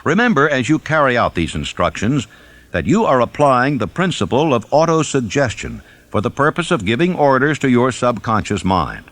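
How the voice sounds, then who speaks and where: A man reading a self-help audiobook in a measured, instructive and emphatic manner. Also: medium pitch, sing-song, fairly bright tone, no echo. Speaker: audiobook narrator.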